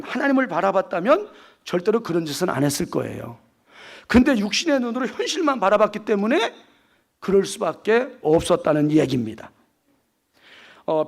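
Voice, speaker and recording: A man in his fifties delivers an evening sermon as a pastor, his voice pitched high with a gravelly edge. He keeps asking the congregation questions and answers them himself. He also acts out the quoted lines of the people in his story. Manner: preaching with rhetorical questions and acted-out quotes.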